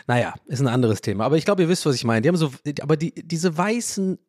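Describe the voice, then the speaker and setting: A man hosting a casual solo podcast, talking in a rambling, animated way, restarting his sentences and often breaking into laughter. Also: fairly high pitch, quick pace, no echo, clean studio sound. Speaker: podcast host.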